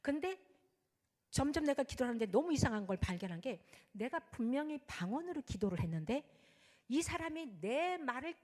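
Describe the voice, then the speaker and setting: Inside a reverberant church sanctuary, a woman pastor shares a testimony in her sermon, voicing the prayers and talk of the people involved. Her voice sits high and moves fairly quickly in this animated storytelling.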